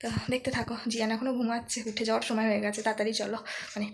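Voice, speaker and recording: A woman's voice: fairly high pitch, flat delivery, rapid-fire, vocal fry. A woman vlogger chatting casually to her viewers, narrating her day in a friendly, talkative way. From Bengal. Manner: talks softly so the child keeps sleeping. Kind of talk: casual vlog voice-over.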